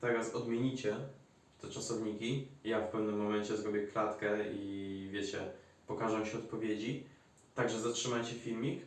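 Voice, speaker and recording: A Polish-accented man gives a whiteboard grammar lesson in a chatty, joking way. His voice sits fairly low. He is recorded at a distance from the mic in a room that is full of echo. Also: little pitch movement, normal speed. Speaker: Italian language teacher.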